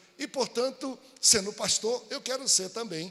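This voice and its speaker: A man's voice over noticeable background noise. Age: 60s. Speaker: pastor. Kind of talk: sermon. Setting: church. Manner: informal, conversational.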